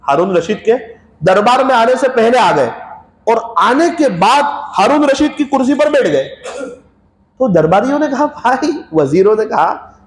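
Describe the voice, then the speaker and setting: High-voiced man preaching in an echoey room. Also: big pitch swings, a little slow. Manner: tells a story, voicing its characters in quotes. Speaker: Islamic preacher. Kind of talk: sermon with storytelling. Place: religious gathering.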